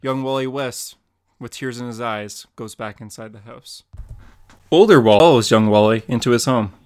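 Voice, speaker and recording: A man's voice: medium pitch, normal speed, clean tone. A man co-hosting a podcast, plainly reading out what happens in comic panels. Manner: plain, matter-of-fact. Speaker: podcast co-host.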